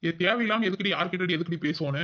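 Cartoon village husband, sulky and jealous, Kongu accent, snaps back in rapid bursts; a man voices him; muffled lo-fi sound. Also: high-pitched, sharp tone. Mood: grumpy. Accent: Kongu Tamil. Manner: curt, snapping replies. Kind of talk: cartoon voice acting.

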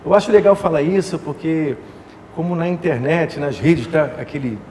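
A man's voice: fairly high pitch, moderate pace, a little mellow. A man, an umbanda house leader explaining his faith in an interview, thoughtful and full of fillers and tag questions. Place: indoor temple room with altar. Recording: echoey room with faint hiss.

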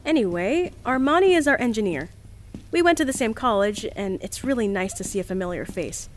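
A woman's voice: medium pitch, animated, a little fast, a little hiss or hum, natural voice. An actress playing a chirpy, earnest, polite young woman on a science team, gushing and easily flustered, in an audio drama. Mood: wistful, hopeful. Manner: bubbly, gushing, hesitant when flustered. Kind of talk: audio drama, recorded diary.

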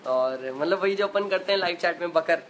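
A man's voice: sits high, brisk, a bit bright, a little hiss or hum, rough recording. A young man hosting a casual live chat from home, reading viewer comments into his phone and chatting back with easy laughs. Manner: chatty, laughs easily, uses filler 'matlab' and 'yaar'. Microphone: phone in selfie view.

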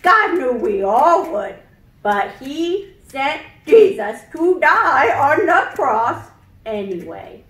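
A woman's voice: sits high, sing-song, slow, a bit bright, full character voice. A woman voicing an elderly puppet teacher who explains things patiently and earnestly, in an emphatic preacherly way, for a children's puppet show. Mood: earnest, encouraging. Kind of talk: children's puppet show, scripted Bible lesson. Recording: roomy echo, distant microphone.

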